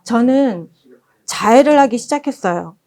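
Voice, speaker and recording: A woman presenting at a book forum who reads passages aloud as gentle storytelling. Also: on the high side, expressive, a little slow. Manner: gentle storytelling, acting out quoted lines.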